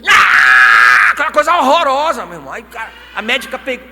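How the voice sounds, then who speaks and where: A Brazilian man in his thirties preaching a sermon as pastor, telling stories with swings from quiet talk to shouting. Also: very high-pitched, racing, heavy background noise. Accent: Brazilian Portuguese. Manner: animated storytelling, swings from soft to shouting. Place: church hall. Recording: long church hall reverb.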